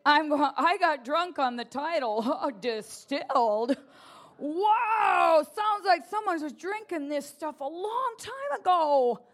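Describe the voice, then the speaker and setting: A woman preaching a lively charismatic sermon, animated and playful, mimicking her listeners, breaking into shouts and laughter. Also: sits high, unhurried, few pauses.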